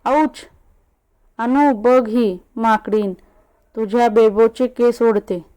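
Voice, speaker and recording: A woman's voice: mid-range voice, fairly even intonation, slow, mellow, clean tone, no room sound, natural voice. A woman voicing a tipsy, childish young woman who slurs and lisps like a small child. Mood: teasing. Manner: slurred, babyish lisping speech.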